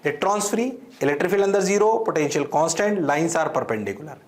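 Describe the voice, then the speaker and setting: A man's voice: a little high, lively intonation, very fast, reverberant. A man teaching physics with an Indian accent, theatrical, answering his own questions in the voice of a student. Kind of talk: classroom lecture. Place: classroom.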